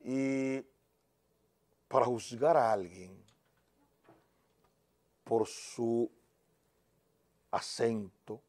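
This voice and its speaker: Dominican male news commentator, mid-pitched, emphatic and indignant. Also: extremely slow, long pauses, darkish tone. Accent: Dominican Spanish. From Dominican Republic.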